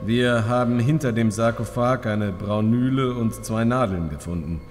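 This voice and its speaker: A man's voice: mid-range voice, normal speed, lightly acted. An actor playing a dry, matter-of-fact male crime scene investigator in an audio drama, reporting soberly. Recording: reverberant hall, music underneath.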